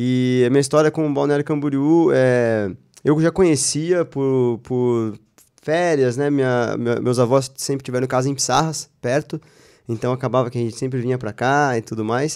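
Medium pitch from a man, a plain, everyday voice, moderate pace and fairly even intonation, on a very clean recording with a silent background. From Curitiba, southern Brazil. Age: 30s. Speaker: missionary leader. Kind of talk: interview testimony.

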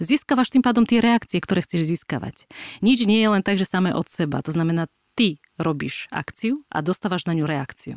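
A woman of medium pitch speaks at a moderate pace with lively intonation and a slight Russian accent. The sound is dry and close, with no echo. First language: Russian (speaking Slovak). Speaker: social media marketing expert. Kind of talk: interview. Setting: studio.

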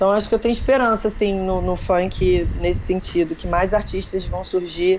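In a Rio de Janeiro accent, the speaker talks at a moderate pace with fairly even intonation and hardly any pauses over noticeable background noise. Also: woman, medium pitch for a woman. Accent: carioca (Rio). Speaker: artist manager. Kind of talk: casual interview.

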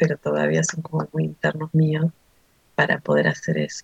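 A woman at a moderate pace, dry and close with no echo. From Argentina. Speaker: translator and university teacher. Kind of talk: group interview conversation.

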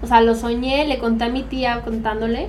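In a recording with audible room echo and noticeable background noise, a woman with a high pitch talks at a moderate pace. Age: 20s. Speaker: actress and model. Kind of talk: interview. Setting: at her home.

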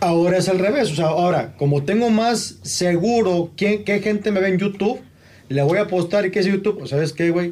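This man talks at a fairly quick pace with a high pitch. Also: ordinary pitch variation. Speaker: podcast host. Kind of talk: casual chat.

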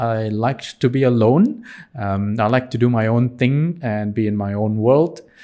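A man with a non-native accent and a dark, mellow tone, ordinary pitch variation, a fairly slow pace, and a very clean recording with a silent background. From Singapore, born in Indonesia. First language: not English. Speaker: surgeon. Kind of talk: interview.

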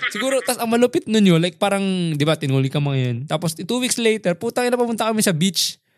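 This man's high-pitched voice has an animated tone and very wide pitch swings. He talks at a very fast pace with hardly any pauses, and the sound is dry and close with no echo. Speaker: podcast co-host. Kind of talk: casual chat.

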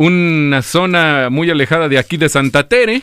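The recording is very clean with a silent background, and a man speaks fairly slowly. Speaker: radio host. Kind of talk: casual chat. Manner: animated.

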